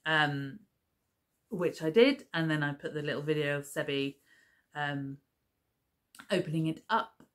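A woman's voice: low voice, a little slow, long pauses. A woman in her thirties chatting casually to camera as a crafting vlogger, rambling with lots of ums and restarts, recorded on a camera at table distance in her living room. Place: living room at home, seated on a sofa.

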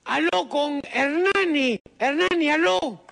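A man's voice: extremely high pitch, slow pace, gravelly, a bit bright. A man making a comic prank phone call, wheedling and scheming, calling everyone brother. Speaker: prank caller.

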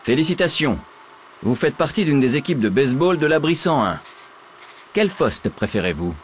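Dry vault teacher proctoring an exam. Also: male voice, fairly high pitch, big pitch swings, normal speed, slight background noise. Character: middle-aged male vault teacher giving an exam. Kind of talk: game character dialogue.

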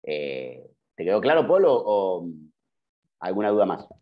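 A man's voice: sits low, huge pitch swings, measured pace. A middle-aged man with an Argentine Spanish accent, teaching an online journalism class, explaining patiently with frequent "eh" fillers and self-corrections. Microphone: computer mic on video call. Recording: dull lo-fi video call audio.

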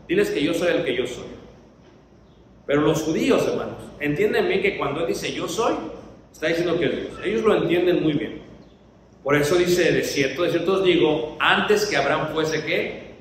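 A man's voice: fairly high pitch, expressive, normal speed, a little hiss or hum. A man preaching a Bible lesson to his congregation, posing questions and answering them himself. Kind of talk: Bible teaching sermon. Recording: echoey hall, mic far off.

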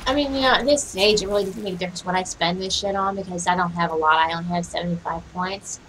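A young woman with a hoarse, raspy voice, casually commenting on her own gameplay while streaming from home and chatting with viewers. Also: lowish voice, fast talker, fairly bright tone, a little hiss or hum, rough recording. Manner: chatty, profane, talks to herself while playing. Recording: game music behind voice. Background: game music.

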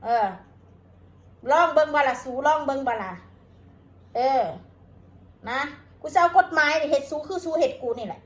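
A woman's voice: high-pitched, expressive, moderate pace, long pauses. A woman with an Isan accent, talking straight to her viewers in an angry, combative rant full of curses. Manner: coarse, combative, cursing. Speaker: vlogger.

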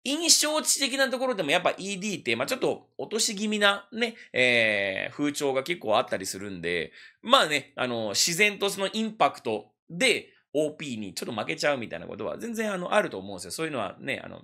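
A man hosting casual anime reaction commentary, animated and self-mocking, laughing often between phrases. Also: on the high side, fast. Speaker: anime reaction channel host.

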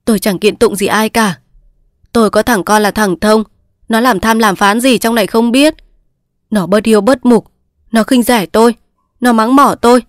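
A woman reading the part of an angry, sharp-tongued old village mother who scolds bluntly, in a dry recording. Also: on the high side, steady tone, moderate pace, long pauses, dry recording, lightly acted. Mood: aggrieved.

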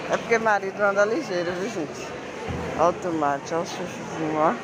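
A woman's voice: lowish voice, brisk. A woman with a Bahian Brazilian accent vlogging casually on a handheld phone, pointing things out in short, repeated exclamations. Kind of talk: casual handheld market tour. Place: street and large open-sided covered market. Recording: noisy outdoor street and market ambience.

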